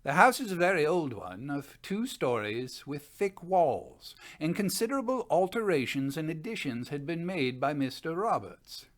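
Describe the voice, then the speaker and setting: A man playing an elderly learned physicist of 1914, giving a formal, measured dramatic reading of his chronicle. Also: a little high, sing-song. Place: small room at home.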